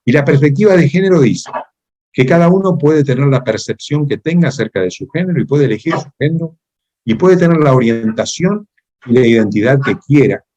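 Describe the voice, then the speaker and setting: A man's voice: mid-range voice, a little mellow, lo-fi sound, close to an everyday voice. A man quoting a matter-of-fact schoolteacher.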